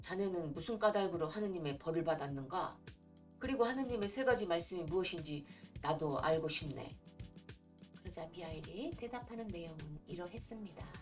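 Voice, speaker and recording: With music in the background, a woman speaks in a fairly low pitch with a warm tone and lively intonation. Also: moderate pace. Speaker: storyteller. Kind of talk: storytelling for seniors. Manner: warm, friendly.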